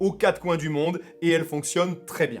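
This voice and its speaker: This is a man speaking. His voice is high in pitch. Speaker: tech YouTuber, drone and photo reviewer. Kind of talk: product review. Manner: fast.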